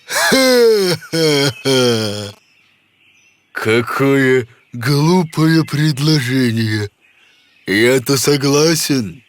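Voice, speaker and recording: An actor voicing a hungry, mocking forest spirit in a cartoon, speaking in a gloating, drawn-out way. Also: male voice, medium pitch, animated. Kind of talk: cartoon voice acting. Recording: music underneath.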